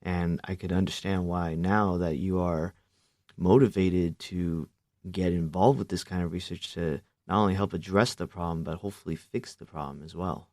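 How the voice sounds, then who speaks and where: A man's voice: sits low, fairly even intonation, normal speed, darkish tone, no echo, studio quality. A man hosting a radio interview, asking questions politely and congratulating his guests. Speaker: radio host. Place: radio studio.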